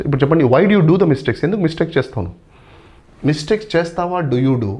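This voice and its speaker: This man speaks with a fairly high pitch and very wide pitch swings. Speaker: spoken English teacher. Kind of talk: bilingual Telugu-English lesson. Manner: repetitive drilling.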